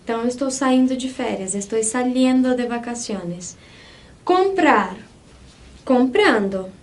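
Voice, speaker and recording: Woman, Spanish teacher, high bright register, patient step-by-step explainer, frequent check-ins. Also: lively intonation, a little slow. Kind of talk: online grammar lesson.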